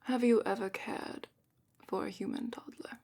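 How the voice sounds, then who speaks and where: Woman acting as a calm probing fantasy examiner lady, breathy asmr whisper w some crackle, slow careful questions. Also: medium pitch. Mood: probing, musing. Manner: measured, deliberate questioning with thoughtful pauses.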